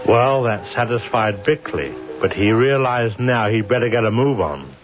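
An actor playing a sardonic storyteller who narrates a murder tale in an old radio drama with wry, deliberate suspense. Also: male voice, lowish voice, lively intonation, close to an everyday voice. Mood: wry, suspenseful. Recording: dull old radio recording with music.

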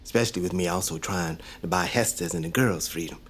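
A man's voice: low-pitched, fast talker, breathy edge. An actor playing a hopeful young father, talking earnestly. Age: young adult. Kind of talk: audio drama.

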